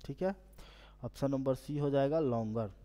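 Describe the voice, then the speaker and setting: A man teaching an exam-prep class, reading the questions out slowly before he breaks them down step by step. His voice is mellow, and the room gives it a long reverb tail. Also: medium pitch. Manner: explanatory, reads English questions slowly then explains.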